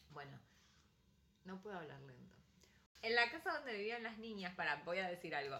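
With a bright, sharp tone at medium pitch, a woman speaks with very wide pitch swings, big swings in loudness and long, frequent pauses. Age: 20s. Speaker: lawyer and podcast co-host. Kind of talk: scripted narration; casual chat. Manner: fast.

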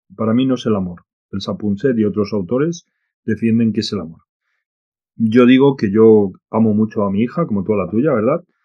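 A man talks at a moderate pace. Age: 50s. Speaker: author and speaker on fear. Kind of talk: interview conversation. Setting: video call.

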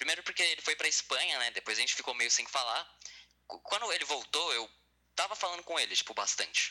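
A man's voice with a bright, sharp tone. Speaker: church youth group member. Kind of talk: casual chat. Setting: video call.

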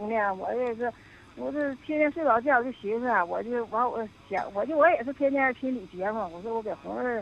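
High-pitched female speech with ordinary variation in pitch. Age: 50s. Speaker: radio call-in listener. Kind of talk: phone-in advice call. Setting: phone call. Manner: halting, many repetitions.

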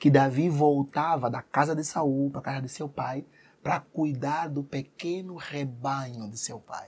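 A man speaks at a moderate pace with a fairly high pitch and a somewhat breathy sound. The recording is very clean, with a silent background. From Angola, Luanda. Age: 30s. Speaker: pastor. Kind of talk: interview.

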